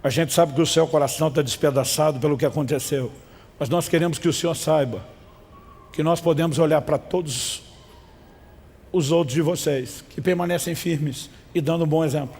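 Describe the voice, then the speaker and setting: A Brazilian man preaches emphatically from the pulpit, urging the congregation to repeat after him. His voice sits a little high for a man. It rings with the long reverb of a large church hall. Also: fairly even intonation, moderate pace, creaky, a little mellow, slightly rough. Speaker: pastor. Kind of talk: sermon.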